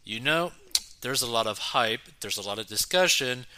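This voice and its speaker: A young man reading a news article aloud and breaking off to react with excitement, filling his talk with "like" and "right?". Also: medium pitch, normal speed. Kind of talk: casual news reaction commentary.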